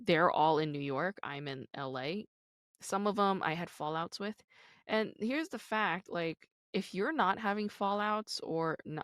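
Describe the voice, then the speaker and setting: On her solo podcast, a thirty-something host speaks in a low-pitched voice, casual and candid, her speech dotted with "like" and "you know." The audio is clean, studio-quality, and dry.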